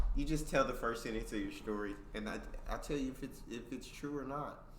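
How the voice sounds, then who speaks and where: With an American accent and a bright, sharp tone, a man speaks at a moderate pace with vocal fry, and audible room echo surrounds him. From United States. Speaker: YouTube reaction creator. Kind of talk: casual reaction commentary. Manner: casual, conversational.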